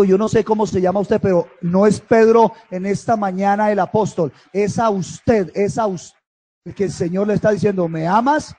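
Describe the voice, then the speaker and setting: A man preaching a sermon with passion, moving between loud cries and soft, tender passages. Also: sits high. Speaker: pastor. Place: church camp service.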